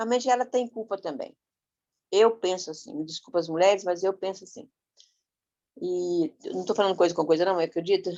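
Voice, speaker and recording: A woman speaks in a medium pitch. Her pitch variation is ordinary. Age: 60s. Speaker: church group participant. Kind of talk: testimony. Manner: halting.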